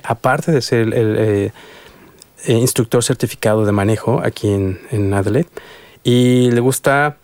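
A man's voice: lowish voice, a little mellow, no room sound. A man hosting a casual radio interview, chatty and hesitant, with many restarts. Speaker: radio show host. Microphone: studio microphone.

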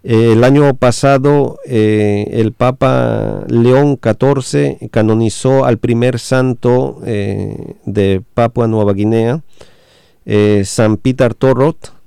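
Slow gravelly man, halting radio host, dark voice. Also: medium pitch, fairly even intonation, no echo, studio quality. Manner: many fillers and restarts, slow and halting. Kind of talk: hesitant radio talk.

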